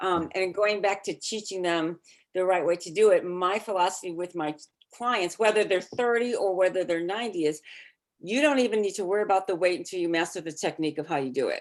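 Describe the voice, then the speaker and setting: This is a plain, everyday voice with an American accent. It moves at a fairly quick pace with ordinary pitch variation. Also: woman, medium pitch for a woman. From US Midwest (Illinois). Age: 60s. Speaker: personal trainer. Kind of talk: interview.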